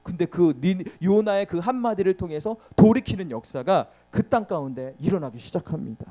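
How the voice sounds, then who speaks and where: His high-pitched, mellow voice comes across animated and a little fast as he preaches a sermon. He fires questions at the congregation and answers them on his own, performing the story with sound words and laughing often.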